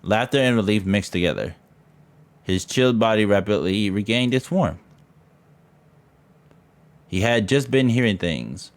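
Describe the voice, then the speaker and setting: A man's voice: on the low side, animated, measured pace, long pauses. A man reading a ghost story aloud from a visual novel as a streamer, dramatic but breaking into casual, profane asides and stumbling over the text. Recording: loud music behind voice. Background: game music.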